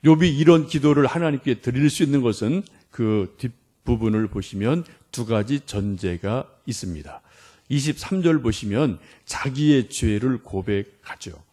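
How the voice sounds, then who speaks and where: Male pastor, early-morning sermon, husky, mellow dark tone, pleading prayers acted out, occasional whispers. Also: mid-range voice, unhurried. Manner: acts out prayers in a pleading, gentle voice.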